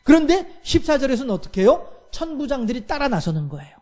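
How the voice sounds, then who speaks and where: A man preaching a Wednesday church sermon. He keeps asking the congregation rhetorical questions and fills his pauses with a steady "yes". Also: very high voice. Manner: acts out everyday quarrels in lively voices. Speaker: pastor.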